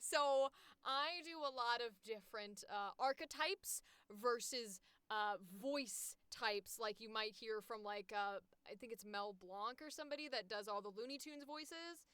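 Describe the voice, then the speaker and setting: A woman voice actor hosts a casual livestream in a crisp, close and dry voice. She is playful and self-mocking, with a distinctive high register and a giggly, chatty way of explaining things. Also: unhurried, fairly bright tone, no room sound. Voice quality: naturally high-pitched, distinctive voice. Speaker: voice actor hosting a livestream series. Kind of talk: casual improvised livestream chat.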